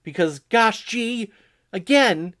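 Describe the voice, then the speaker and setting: Man voicing a young boy, wide-eyed, eager, gee-whiz wholesome, slightly raised pitch. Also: lively intonation, slow, fairly bright tone, full character voice.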